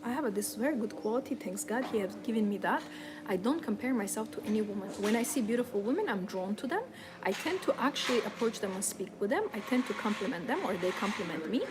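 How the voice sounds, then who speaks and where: A woman with a slightly high voice gives a motivational seminar, speaking earnestly and repeating key points as she coaches. Her English has non-native phrasing. Noticeable background noise runs under the recording. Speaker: femininity and lifestyle coach.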